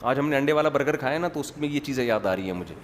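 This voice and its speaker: A man's voice: mid-range voice, expressive. Male preacher, casual humorous sermon, long reverb, faint background noise. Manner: chatty, joking storyteller. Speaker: Islamic preacher.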